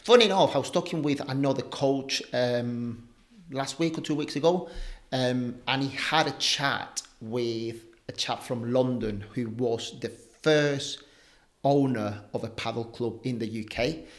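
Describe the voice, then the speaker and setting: A man's voice: mid-range voice, unhurried. A young man from Spain, a padel coach, talking casually in an interview with many fillers. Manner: relaxed, chatty, many fillers like "um" and "like".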